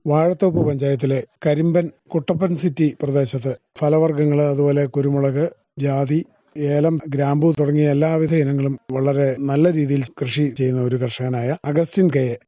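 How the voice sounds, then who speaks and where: A man who hosts a radio farm interview, asking brisk, formal questions. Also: fairly high pitch, fairly even intonation, dark tone, dry recording. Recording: dull lo-fi radio recording.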